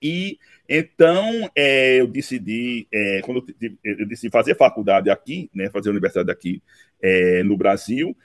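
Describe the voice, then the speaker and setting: This unhurried Recife man in his fifties, a law professor, is an interview guest speaking about his own life in a relaxed way. His lowish voice sounds animated, captured in clean studio audio without echo, and he keeps restarting sentences and tacking on "né."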